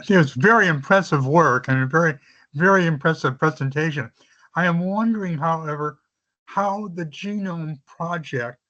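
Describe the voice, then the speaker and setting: A man's voice: a little high, pushed and bright. A man on a video call politely asking the speaker a question. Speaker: audience member asking a question. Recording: muffled online call audio.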